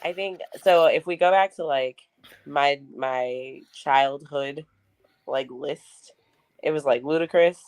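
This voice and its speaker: Low-voiced woman, candid and laughing. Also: slow pace, a little mellow. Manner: candid, swears freely, laughs often. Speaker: podcast co-host. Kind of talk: casual chat.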